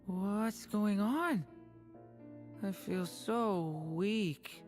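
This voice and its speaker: A man playing a gentle, thoughtful young dragon boy in a video game, soft-spoken and hesitant. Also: high voice, very slow. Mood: weak. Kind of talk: video game character acting. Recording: game music behind.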